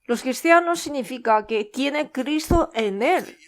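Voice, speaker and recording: A woman's voice: high-pitched, animated, unhurried. A woman preaching a sermon at a church service, reading out scripture verses and asking the congregation rhetorical questions.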